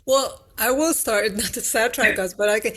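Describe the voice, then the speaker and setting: A woman, a guest speaking casually in a thoughtful way with many pauses and restarts. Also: fairly high pitch, a bit bright. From East Africa. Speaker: guest, nonprofit founder. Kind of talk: casual interview.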